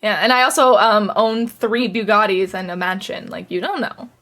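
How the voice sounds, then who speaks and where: A woman's voice: mid-range voice, normal speed, a bit bright. A woman in her early twenties chatting as a podcast guest, joking and laughing often. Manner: giggly, joking. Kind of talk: casual chat.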